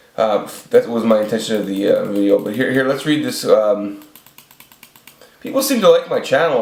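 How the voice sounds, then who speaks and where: A man talks at a very fast pace with ordinary pitch variation. Background noise is noticeable. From Canada. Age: 40s. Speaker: vlogger. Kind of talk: casual monologue vlog. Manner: rambling, halting.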